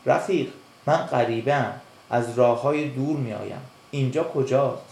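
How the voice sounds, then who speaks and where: A man's voice: medium pitch, creaky, a little mellow, lightly acted. A man voicing a brave, clever little black fish who speaks firmly and with scorn for cowards, in a storybook reading. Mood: friendly. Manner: scornful, firm. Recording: echoey room.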